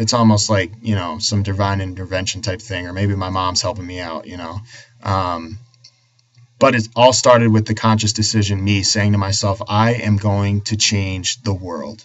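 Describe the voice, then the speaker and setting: Somewhat breathy, a man speaks at a moderate pace. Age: 20s. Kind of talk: interview answer. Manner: soft-spoken, emphatic.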